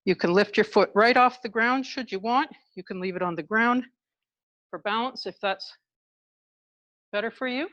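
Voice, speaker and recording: A woman leading an exercise class through a face mask, talking calmly step by step as she demonstrates each move. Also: on the high side, normal speed, pauses often, no room sound. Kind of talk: live exercise instruction, demonstrating while explaining. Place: indoors in a hospital building.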